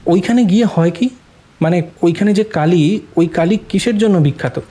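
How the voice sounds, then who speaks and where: A man's voice: high voice, moderate pace, dark tone, close to an everyday voice. An actor playing a curious listener who also narrates the framing of an audio story, a man with a scripted storytelling delivery. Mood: curious, measured.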